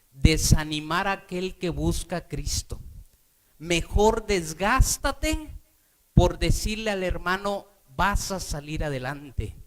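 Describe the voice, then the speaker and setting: High-voiced, slow-preaching Catholic man. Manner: emphatic, call-and-response with the congregation. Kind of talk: sermon.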